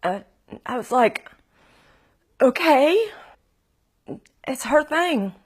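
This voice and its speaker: A woman's voice: high voice, expressive, drawn-out words. A woman speaking hesitantly and wryly in a documentary interview.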